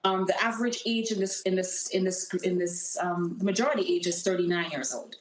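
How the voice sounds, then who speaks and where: A woman's voice: lowish voice, a little fast, reverberant, low-quality recording. A woman with a Jamaican accent, a political candidate speaking earnestly and emphatically as a guest on a remote call. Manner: earnest, emphatic campaign talk. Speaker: congressional candidate. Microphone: call audio.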